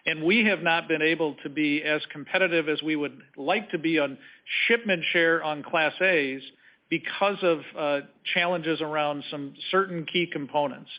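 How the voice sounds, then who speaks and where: A man speaking as a company executive on an earnings call, answering in measured, halting corporate phrasing. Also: fairly high pitch. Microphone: conference call line. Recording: slightly dull conference call audio.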